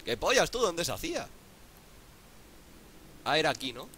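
A man with a Spain Spanish accent doing casual gameplay commentary, excitable, swearing often and pleading out loud. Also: a little high, normal speed, noisy background. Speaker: gaming YouTuber.

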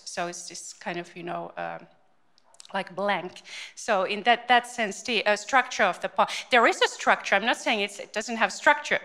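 Woman lecturer, forties, Finnish accent, halting delivery full of ums, handheld mic in a small room. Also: mid-range voice, bright, forceful tone. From Finland. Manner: hesitant, many fillers and restarts. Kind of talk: informal university-style lecture. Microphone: handheld microphone.

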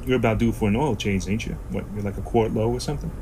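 A man's voice: on the low side, fast, noisy background, natural voice. A man acting a foul-mouthed, sly, sarcastic black-market shop boss in a science-fiction audio drama. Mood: businesslike. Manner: sarcastic, swearing.

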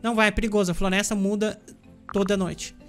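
A Brazilian man reading a cautious fisherman's game lines in a flat, plain voice. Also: sits high, fast talker, faint music behind, close to an everyday voice. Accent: Brazilian Portuguese. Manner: reads game dialogue aloud in a flat voice.

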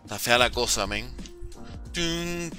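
A man's voice: fairly high pitch, big pitch swings, normal speed, bright, forceful tone. A young man, chatting casually and joking as he reads out viewer questions during a live game stream. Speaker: gaming streamer. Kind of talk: casual live-stream chat while playing. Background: faint background music.

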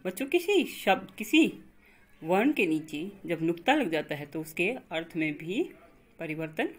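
A woman teacher walks young pupils through a grammar exercise, patient and repetitive. Her voice sits low and a little husky. She speaks at a very unhurried pace. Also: very animated. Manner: patient, explains slowly and repeats words. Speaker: school teacher. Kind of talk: recorded online grammar lesson.

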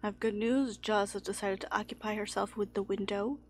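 A woman's voice: mid-range voice, fairly even intonation, fairly quick, a little hiss or hum. A woman hosting a let's play, joking wryly and often dropping into a half-whisper while her character sneaks. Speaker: gaming channel host.

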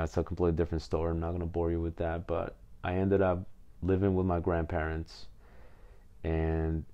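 A man's voice: sits low, darkish tone, dull audio. A man in his twenties from Peru, hosting a podcast and telling his own story in a casual, rambling way with many fillers. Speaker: podcast host.

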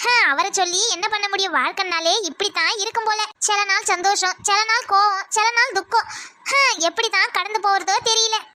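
A performer voicing a harried, sharp-tongued village mother in a one-person comedy skit. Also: extremely high pitch, steady tone, slight background noise, exaggerated voice. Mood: wistful grumbling. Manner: scolding, rapid-fire rural chatter.

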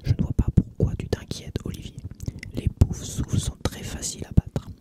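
A cheeky, confident teenage boy from a storybook who teases his friends. A reader whispers him in a hushed, soft voice. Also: normal speed, lightly acted. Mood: teasing, reassuring. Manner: whispered throughout.

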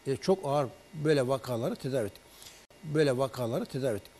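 A man telling a patient's story on a health program, lively and acting out both sides of the phone calls. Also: mid-range voice, quick pace, slight background noise. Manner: animated storyteller, acts out patient's and his own words in dialogue. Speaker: herbal remedy expert on a broadcast.

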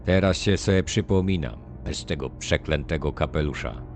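Stern Puritan wanderer played by a man: low-voiced, gloomy, fury held in check, audiobook adventure. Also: moderate pace, faint music behind. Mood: grim, bitter. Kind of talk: dramatized audiobook acting.

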